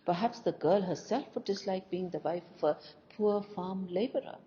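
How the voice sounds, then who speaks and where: A woman narrating a scripted folk tale as an audio story, with deliberate, expressive delivery. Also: mid-range voice. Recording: dull lo-fi recording with faint noise.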